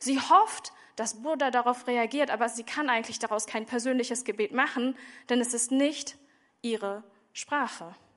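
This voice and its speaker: Her voice is high, and her tone is warm. The woman keeps a moderate pace with ordinary pitch variation. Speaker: preacher. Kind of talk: sermon. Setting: church. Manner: warm, conversational and personal, like chatting with the congregation; earnest and heartfelt, building to a call to prayer.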